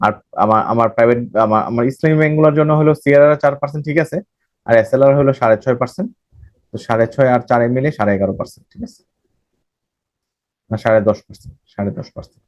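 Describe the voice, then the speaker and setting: Man, banking tutor, repeats and self-corrects, rapid talker, muffled lo-fi sound. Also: medium pitch, no echo. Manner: explains by repeating phrases, mixing in English terms, self-corrects. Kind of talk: recorded lecture.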